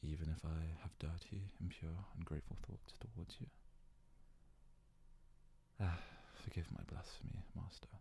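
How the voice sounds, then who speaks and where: Man voicing yandere fox-boy servant, ASMR roleplay, dark mellow tone, breathy and crackly, deferential, hesitant, obsessively devoted. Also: deep voice, fairly even intonation, moderate pace, long pauses. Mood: tender, confessing. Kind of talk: ASMR roleplay, intimate scripted monologue.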